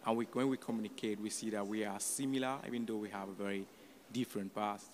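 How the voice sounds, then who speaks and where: A man's voice: on the low side, steady tone, quick pace. Young man from Cameroon, hesitant on-air talk. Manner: hesitant, many fillers and restarts. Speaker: youth advisory committee guest. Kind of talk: casual radio interview. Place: open pop-up radio booth at an event. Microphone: table mic on a stand with headphones.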